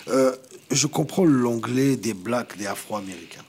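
Male rapper guest, mid-pitched, easygoing, constant "you know what I mean". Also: expressive, measured pace, a little mellow, slight background noise. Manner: laid-back, keeps repeating "you know what I mean", mixes in English. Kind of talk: casual interview chat.

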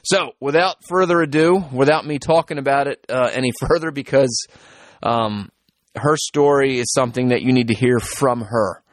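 A man's voice: medium pitch, normal speed, dry recording. A man hosting a podcast, speaking casually with many fillers and restarts as he introduces an interview. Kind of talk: casual spoken introduction, then interview questions.

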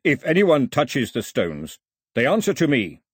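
A man voicing a big, strong, stubborn man who speaks slowly and solemnly, weighing each word. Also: lively intonation, husky, dry recording, clean studio sound. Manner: slow, solemn, rumbling.

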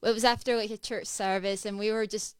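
Scottish woman, 20s, radio guest, chatty and casual, clear resonant tone. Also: medium pitch, fairly even intonation, brisk, dry recording, clean studio sound. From Edinburgh, Scotland. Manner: chatty, many fillers like "like" and "um". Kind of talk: casual interview testimony. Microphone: studio microphone.

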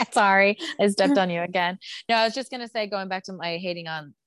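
A woman's voice: medium pitch, a little fast, fairly bright tone, clean tone, dry recording, clean studio sound. A young woman co-hosting a podcast, chatting casually and opinionated, with lots of "like". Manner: chatty, opinionated, heavy use of "like". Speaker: podcast co-host. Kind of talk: casual chat.

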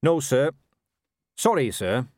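A man's voice: mid-range voice, big pitch swings, slow pace, darkish tone, no room sound, clean studio sound, pitched above the performer's own voice. A man playing an earnest, honest police captain in an audiobook, polite and deferential to a superior. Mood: apologetic, respectful. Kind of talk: audiobook character voice.

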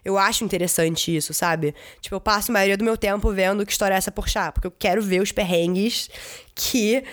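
A young woman from Brazil telling stories in a casual vlog, chatty, full of fillers and the odd swear word. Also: mid-range voice. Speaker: vlogger. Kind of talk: casual storytelling.

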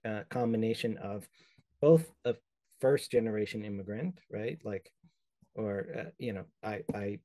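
A young man from El Salvador, a podcast guest speaking thoughtfully in an interview, often pausing and restarting as he searches for words. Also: lowish voice, warm tone, no echo. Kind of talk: reflective conversational interview.

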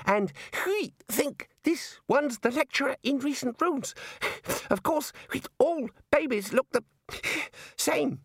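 A man's voice: a little high, expressive, takes it slowly, a bit bright, dry recording, studio quality, pitched above the performer's own voice. A man voicing an anxious, deferential young wizard, hesitant and polite, in a fantasy storybook reading. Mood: strained.

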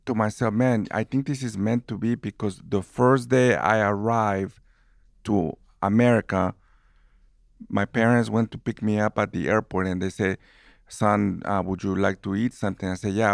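Man, 50s, Guatemalan accent; lively storyteller, dry close sound. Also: medium pitch, no room sound. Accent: Guatemalan Spanish. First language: Spanish. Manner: warm, animated storyteller who laughs easily. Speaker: movie theater manager. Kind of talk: storytelling in an interview.

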